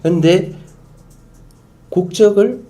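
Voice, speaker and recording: A middle-aged man, a guest expert, explaining in an animated way on a talk show, with quiet asides and emphatic bursts. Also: high-pitched, drawn-out words, soft background music.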